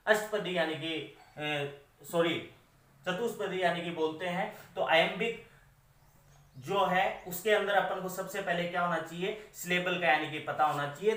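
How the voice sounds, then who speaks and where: A man's voice: sits high, a bit bright, far from the mic. A male teacher giving a lecture on poetry. He keeps asking himself questions and answering them, repeats each point, and fills his sentences with "that is to say". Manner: says "that is to say" after nearly every phrase. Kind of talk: classroom lecture explaining poetry. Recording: echoey room, voice away from the mic.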